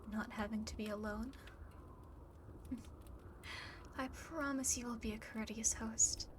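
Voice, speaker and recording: Over noticeable background noise comes a lonely demon girl, acted by a woman, in an ASMR roleplay. She talks very slowly in a fairly high, soft voice that often sinks to a whisper. Her manner is coaxing, condescending and possessive, with a faint threat underneath. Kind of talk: ASMR roleplay, speaking to the listener.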